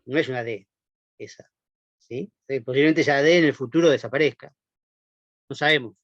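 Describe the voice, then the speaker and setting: A man's voice: mid-range voice, fairly quick, no room sound. A man giving a university class lecture, explaining patiently and often checking in with his listeners through tag questions and "eh" fillers. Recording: dull lo-fi, dry recording.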